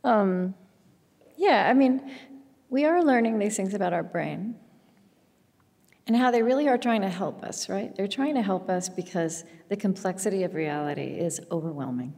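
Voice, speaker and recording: A woman's voice: mid-range voice, expressive, moderate pace, darkish tone. A woman hosting an interview, thinking aloud with searching phrasing. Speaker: interview host. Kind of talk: conversational interview. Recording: long hall reverb.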